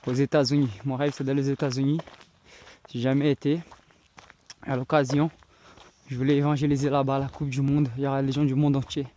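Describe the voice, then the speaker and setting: The evangelist's mid-range voice sounds warm, though the recording is muffled with a little hiss or hum. Hiking up a hillside trail and filming himself on a handheld phone, he preaches to his viewers, addressing them as friends while he walks and climbs.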